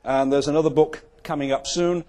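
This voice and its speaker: A man's voice: on the high side, steady tone, a little fast, dark tone. A man from England with a Manchester accent giving a comic keynote speech to a live audience, with dry, self-deprecating delivery. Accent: Manchester English. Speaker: keynote speaker. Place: event venue before a live audience.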